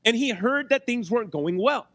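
A man preaching a sermon in a conversational way, his voice hoarse as if he has been losing it, often checking in with his listeners. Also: extremely high pitch, lively intonation, normal speed, a bit bright, dry recording. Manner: conversational, checks in with rhetorical questions. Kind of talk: sermon to a congregation. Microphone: close microphone on a PA.

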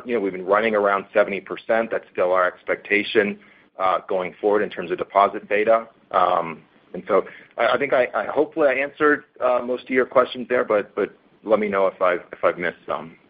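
A male company executive answering analyst questions on an earnings call, halting and often repeating words as he restarts. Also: fairly low pitch. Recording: tinny phone-line conference call.

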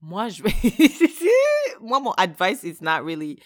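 A woman's voice: lowish voice, lively intonation, moderate pace, fairly bright tone, no room sound, clean studio sound. A woman co-hosting a podcast in casual chat, switching between French and English and laughing easily. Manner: mixes French and English, laughs often, playful. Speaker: podcast co-host.

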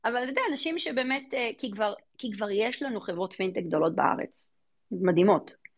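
A woman with an Israeli accent giving casual interview answers, emphatic and informal, often repeating words for emphasis. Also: medium pitch. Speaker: guest, fintech venture investor.

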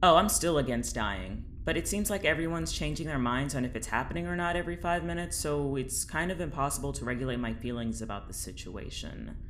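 A man's voice: on the high side, expressive, fairly quick, few pauses, fairly bright tone, a little hiss or hum. A man playing a chatty, morbidly wry prisoner in an audio drama, rambling, casual and sardonic. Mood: flippant. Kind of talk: naturalistic audio drama acting.

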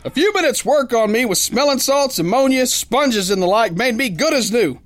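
A very high, swooping voice for a rough-and-ready sailor boxer. He spins his yarn in folksy, ungrammatical slang, naive and big-hearted. It is theatrical radio-play narration with lots of lively swing. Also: moderate pace. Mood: boastful. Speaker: first-person narrator.

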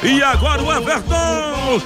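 A Brazilian man in explosive football goal commentary, shouting with drawn-out names and exclamations. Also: very high-pitched. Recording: loud music over broadcast commentary.

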